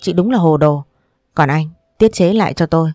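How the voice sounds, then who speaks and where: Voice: mid-range voice, normal speed, a little mellow, no echo, clean studio sound, natural voice. A storyteller voicing a strict mother-in-law who lectures firmly. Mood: stern. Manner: firm and lecturing.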